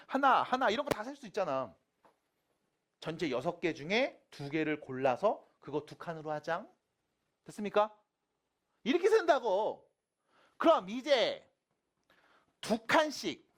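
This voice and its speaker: A man working through exam math problems as a teacher, informal and often checking understanding with short questions, his articulation slightly slurred as if after dental work. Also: very high-pitched. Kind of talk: exam problem explanation to students.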